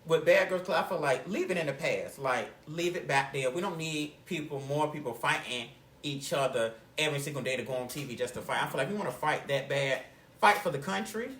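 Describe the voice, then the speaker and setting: A woman's voice: low voice, animated, a little fast. Roomy distant recording, American woman, casual podcast chat, emphatic, colloquial, exhorting. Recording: roomy echo, distant from mic.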